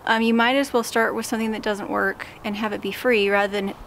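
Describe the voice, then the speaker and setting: A woman's voice: mid-range voice, fairly even intonation, fast talker, a bit bright, a little hiss or hum. A woman in her thirties, a homesteading vlogger, explaining her building work in a casual, practical way outdoors, speaking to a camera held at arm's length. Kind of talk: casual how-to vlog. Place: small backyard outdoors.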